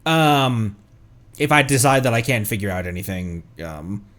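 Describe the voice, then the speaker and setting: A man's voice: medium pitch, expressive, moderate pace, a bit bright. A man chatting casually on a livestream as the streamer, playful and rambling.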